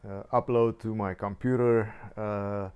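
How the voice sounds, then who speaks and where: A man recounting his own past in a casual spoken memoir, halting and full of restarts. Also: fairly low pitch, little pitch movement, smooth, phone-quality sound. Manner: halting, many restarts and fillers.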